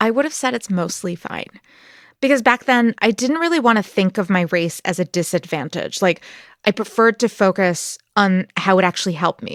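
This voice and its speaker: In a dry, close sound with no echo, a woman talks at a moderate pace with lively intonation. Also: medium pitch for a woman, very clean recording, silent background. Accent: American. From India (Hyderabad). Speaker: podcast reporter. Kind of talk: narrated podcast storytelling.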